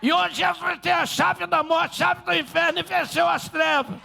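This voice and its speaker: High, gravelly preacher with a Rio accent. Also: male voice, fairly even intonation, normal speed, pushed and bright, shouting, faint music behind, some chatter behind. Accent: Rio de Janeiro Portuguese. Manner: fervent preaching, storytelling. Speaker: pastor. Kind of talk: sermon.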